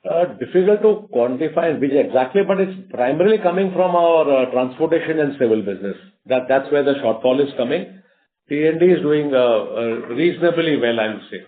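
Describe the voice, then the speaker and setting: A man's voice: a little high, animated, a little fast. A man with an Indian accent speaks as a company executive on an earnings call. His delivery is unscripted and explanatory, with repeated phrases. The sound is a narrow, muffled conference phone line. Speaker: company executive answering investor questions.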